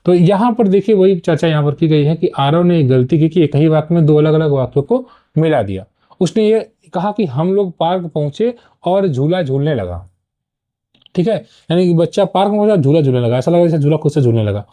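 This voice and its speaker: A man's voice: a little high, lively intonation, fast, dark tone. A man teaching an exam-prep lesson, explaining step by step and often checking in with "okay". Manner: explanatory, frequent "ठीक है" checks.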